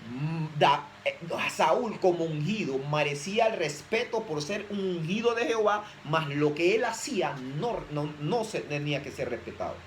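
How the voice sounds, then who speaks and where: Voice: medium pitch, expressive, normal speed, slight background noise, rough recording. Emphatic preacher asking rhetorical questions. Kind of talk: sermon.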